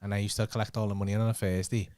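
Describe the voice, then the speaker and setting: Swearing, laughing podcast host. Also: male voice, lowish voice, level tone, racing, mellow, no echo, studio quality. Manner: swears a lot, laughs often. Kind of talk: casual banter.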